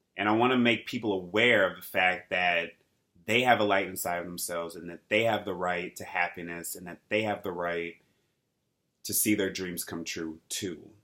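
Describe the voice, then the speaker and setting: A man's very deep, low voice in an American accent, at a moderate pace, with fairly even intonation and big swings in loudness. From United States. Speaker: vlogger. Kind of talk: personal vlog monologue.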